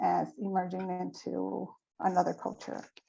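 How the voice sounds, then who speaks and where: In a Spanish accent, this voice has a dark, mellow tone and moves at a fairly slow pace. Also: woman. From Mexico City, moved to Chicago at twelve. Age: 40s. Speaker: panelist. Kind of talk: panel discussion.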